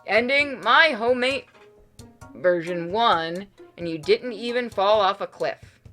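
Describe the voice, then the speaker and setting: A woman reading game text aloud and reacting casually, with a playful, expressive manner. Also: medium pitch, unhurried, faint music behind. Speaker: game streamer.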